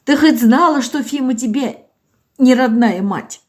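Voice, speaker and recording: A woman's voice: high-pitched, measured pace, darkish tone, voice pushed up. A woman voicing a tearful older village woman who talks in a sing-song, folksy way and sobs as she speaks.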